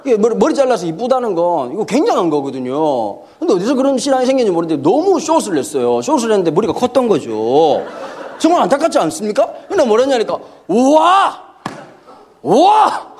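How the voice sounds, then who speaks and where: A man pastor giving a humorous sermon lecture in a church, talking in an animated, comic way and acting out the voices he quotes. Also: high voice. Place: church sanctuary.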